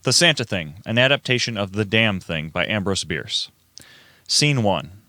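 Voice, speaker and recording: A man's voice: fairly low pitch, expressive, moderate pace, sharp tone, no echo. A man acting as narrator and reader in an amateur recording of a dramatic reading. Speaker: narrator and reader of all parts.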